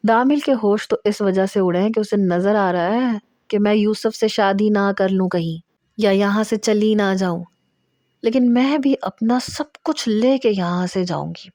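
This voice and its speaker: A woman narrating a first-person romantic story with steady, intimate storytelling. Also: mid-range voice, dry recording, studio quality. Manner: steady, intimate storytelling with emotional emphasis in quoted lines.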